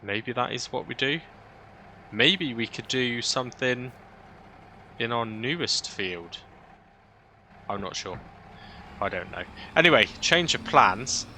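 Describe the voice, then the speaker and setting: Bright and pushed, this British man's medium-pitched voice moves slowly and expressively, broken by long pauses. He's a gaming video host offering casual commentary, musing aloud and often tacking questions onto what he says, over a noisy, vehicle-like engine drone.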